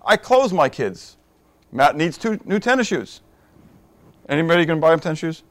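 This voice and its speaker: A middle-aged male pastor preaches conversationally, asking his congregation questions and shifting from hushed asides to emphatic points. He's very animated, with a fairly high pitch and a moderate pace.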